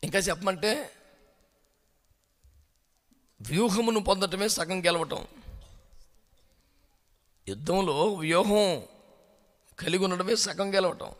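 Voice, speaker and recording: Animated preacher man. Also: sits high, slow pace, pauses often. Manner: animated preaching with rhetorical questions and anecdotes; mixes English words into the sermon. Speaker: pastor. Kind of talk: sermon.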